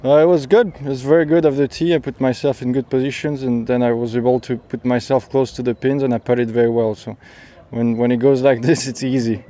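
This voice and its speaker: Flat, mellow man in interview. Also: medium pitch, brisk. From France. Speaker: professional golfer being interviewed. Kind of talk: casual post-round interview.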